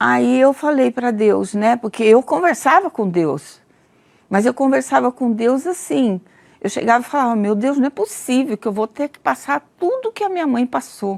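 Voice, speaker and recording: In a very clean, dry and close recording with no echo and a silent background, a woman speaks at a moderate pace with a high pitch, lively intonation and big swings in loudness. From Brazil, Campinas, São Paulo state. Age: 60s. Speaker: church member giving testimony. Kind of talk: testimony.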